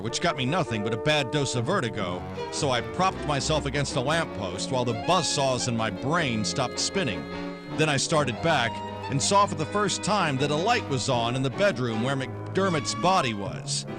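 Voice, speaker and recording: Music plays behind a man acting as a hard-boiled private detective. His voice sits at a middle pitch. He is wry and tough, full of slang, in the manner of a 1940s noir radio play. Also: lightly acted.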